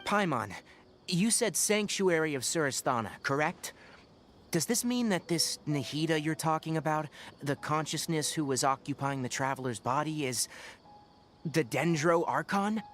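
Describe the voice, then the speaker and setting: A man voicing a composed, articulate young scholar in a video game, with a measured, thoughtful manner. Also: a little high, animated, fairly bright tone, faint music behind. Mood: thoughtful, trusting. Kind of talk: video game character acting.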